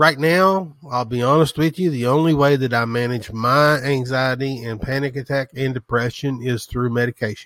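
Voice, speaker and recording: With a Southern US accent, a man talks at a moderate pace with hardly any pauses. His voice sits at a medium pitch with fairly even intonation. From US South. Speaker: podcaster. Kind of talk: solo podcast monologue, casual. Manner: casual, informal, with fillers.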